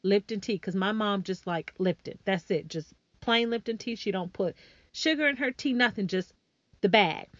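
A woman's voice: mid-range voice, moderate pace, no room sound. A woman hosting a podcast who tells a story casually and talks straight to her listeners. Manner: animated, addresses listeners as y'all. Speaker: podcast host. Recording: dull lo-fi sound.

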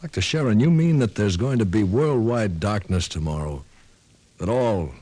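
An actor playing a sceptical, easily rattled reporter in a 1950s radio drama, questioning, stammering and repeating himself on a vintage recording. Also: male voice, fairly low pitch, expressive, normal speed, dark tone, husky. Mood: sceptical, agitated.

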